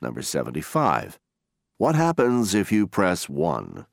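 A man narrates a listening exam in a lowish voice. He reads instructions and numbered questions formally and deliberately, with strongly swooping intonation, recorded very dry. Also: wildly swooping pitch, creaky, dry recording. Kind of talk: scripted test instructions.

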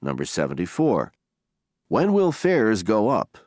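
Man, exam narrator, scripted instructions, formal, deliberate, lower pitch, highly varied intonation, dry. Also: huge pitch swings, darkish tone, dry recording. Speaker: listening test narrator.

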